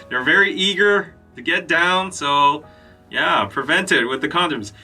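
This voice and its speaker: Young man, from Korea, podcast host, casual, lots of fillers, bright tone, faint background music. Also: mid-range voice, distant mic. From South Korea. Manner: relaxed, chatty, many fillers and restarts. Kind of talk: casual live-stream chat and news reading.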